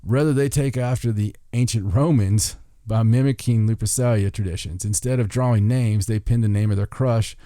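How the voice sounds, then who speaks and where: A man's voice: lowish voice, steady tone, normal speed, hardly any pauses, warm tone, no room sound, clean studio sound. A man hosting a podcast, reading from a list in a folksy way with joking asides and stumbles over foreign words. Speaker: podcast host. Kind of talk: reading listicle aloud with casual joking asides.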